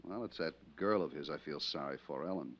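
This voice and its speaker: A muffled vintage radio recording of a sympathetic American policeman. He is gruff and matter-of-fact, with a very low voice and a quick, brisk delivery. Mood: concerned, official. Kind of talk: 1940s-50s American radio drama acting.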